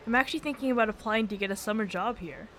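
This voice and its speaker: A woman's voice: medium pitch, racing, fairly bright tone, slight background noise, close to an everyday voice. A young woman playing an earnest young woman who keeps questioning where she belongs, in an amateur audio drama. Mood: chatty. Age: young adult. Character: young mixed-race woman, searching and earnest.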